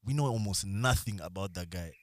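A man's voice: low-pitched, a little fast, no echo, studio quality. A young man chatting casually with friends in a gossipy, slangy way, often saying bro. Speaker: podcast participant. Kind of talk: casual group chat.

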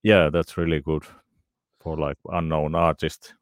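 Deep-voiced, modest man. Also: little pitch movement, a little slow, no room sound, studio quality. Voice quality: very low, deep voice. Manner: modest, brief answers. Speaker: singer, interview guest.

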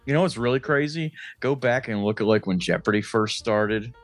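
A man's voice: on the low side, normal speed, dry recording, faint music behind. A man co-hosting a casual comedy podcast, talking in a rambling, loose way with some swearing. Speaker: podcast co-host.

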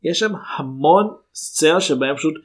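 A man chatting about a film as a podcast co-host, measured and critical, with hesitant fillers. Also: on the high side. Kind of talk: casual film review chat.

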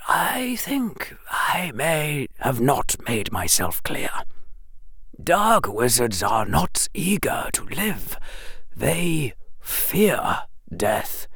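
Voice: medium pitch, sing-song, no echo, clean studio sound, voice pushed up, exaggerated voice. A reader whispering as an ancient grave wizard headmaster. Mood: solemn. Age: over 100 (figure). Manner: hushed breathy whisper, slow and solemn.

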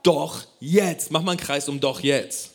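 A man preaching a sermon, addressing the congregation directly in an animated way. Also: fairly high pitch, measured pace, creaky. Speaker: pastor.

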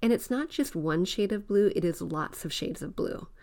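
A woman's voice: mid-range voice, animated, normal speed, a little mellow. A woman hosting a home decorating podcast, explaining design ideas step by step and repeating her key points. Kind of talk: instructive podcast talk.

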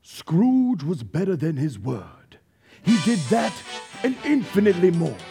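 A man acts as a storybook narrator for a stage radio play, with a high, very animated voice. He takes his time and pauses for drama, and faint music sits behind him. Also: vocal fry, heavily acted. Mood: warm, celebratory. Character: storybook narrator of a Victorian Christmas tale. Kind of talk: scripted theatrical storytelling. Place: theatre stage before a live audience. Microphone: shared stage microphone. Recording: live stage recording with music.

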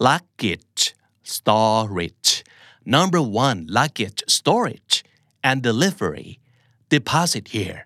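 A young man leads an English stress lesson, stretching each phrase out slowly. His pitch swings widely as he leans on the stressed words. The sound is close and dry, with no room around it. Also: fairly bright tone, dry recording. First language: Thai. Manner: models phrases slowly, syllable by syllable, then explains quickly and casually. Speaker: English pronunciation teacher. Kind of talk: slow drilled repetition between quick explanations.

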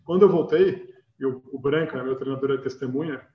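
A man from Brazil, a guest in an interview, telling his story in a measured, earnest way. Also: mid-range voice, reverberant, muffled recording. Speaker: guest, marathon runner. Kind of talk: casual interview answers.

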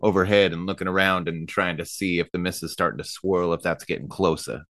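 A man with a fairly low voice talks through his moves as a player in a tabletop game. He speaks casually and improvises, recorded close with a dry sound. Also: steady tone, brisk, fairly bright tone, no room sound. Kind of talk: casual improvised role-play.

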